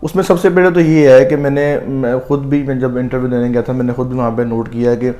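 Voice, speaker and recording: A man with a Pakistani accent giving advice as a visa counsellor, explaining at length with frequent hesitant pauses. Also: mid-range voice, level tone, dark tone. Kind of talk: advisory conversation.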